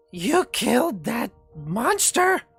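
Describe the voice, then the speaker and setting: A raspy, put-on character voice swings very widely in pitch, with faint music in the background. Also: fairly high pitch. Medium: actual play. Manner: friendly, eager.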